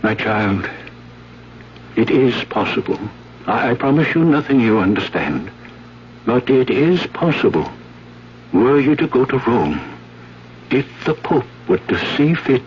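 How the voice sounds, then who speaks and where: A man's voice: mid-range voice, lively intonation, unhurried, pauses often, slight background noise, close to an everyday voice. An actor playing a stern, fatherly Catholic priest, solemn and declamatory, in a 1970s radio drama. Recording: dull, humming 1970s radio recording.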